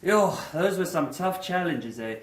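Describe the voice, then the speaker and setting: A man on a church crew, relaxed and casual as he wraps up the challenges. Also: a little high, measured pace, a little hiss or hum. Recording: echoey room with faint clicks.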